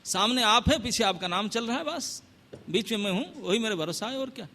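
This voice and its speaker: A man voicing a humble, devoted male monkey god who answers softly but will not give way. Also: high-pitched, animated, fairly quick, exaggerated voice. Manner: soft, humble.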